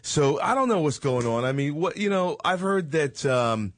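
A man in his forties hosts a chat show, his voice sitting on the high side with big swings in pitch at a normal speed and no room sound. His banter is loose, rambling and jokey, packed with fillers and laughs.

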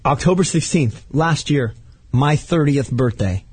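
Man, 30, talk show guest, candid storyteller, husky voice, dry close sound. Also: fairly high pitch, expressive, unhurried, a little mellow, dry recording. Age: 30s. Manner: candid, confessional, many "like"s. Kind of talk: casual chat, storytelling.

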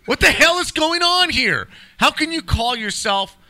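A man hosting a sports talk show, bantering casually with slang and profanity in an animated, jokey way. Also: extremely high pitch, measured pace, dry recording.

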